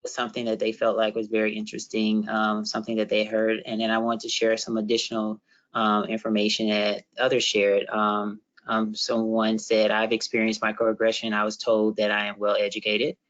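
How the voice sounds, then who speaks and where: A man co-facilitating an online workshop, reading out participant comments in a steady way with many fillers. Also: fairly low pitch, moderate pace, dull audio.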